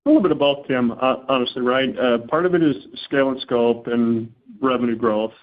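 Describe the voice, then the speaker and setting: A man's voice: mid-range voice, a little fast. A man speaking as a company executive on an earnings call, answering questions informally and often repeating words as he goes. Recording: narrow phone-like conference line.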